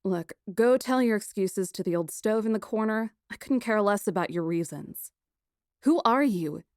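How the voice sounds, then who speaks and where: A woman playing a feisty, sarcastic young white mage in an audiobook, defiant, sharp-tongued and scornful. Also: mid-range voice, animated, normal speed, no room sound, clean studio sound, close to an everyday voice. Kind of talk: audiobook dialogue acting.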